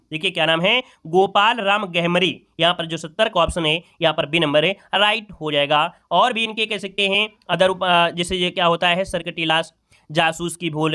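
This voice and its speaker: A man's voice: high-pitched, sharp tone. A man teaching an exam-prep lesson, going through questions and repeating each question and answer with rhetorical checks to the listeners. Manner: addresses listeners as friends.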